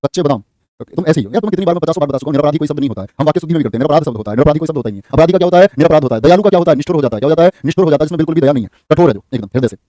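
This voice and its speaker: A man teaching a Hindi exam-prep class online, drilling questions briskly and teasing his students. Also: a little high, expressive, dark tone, no echo, studio quality.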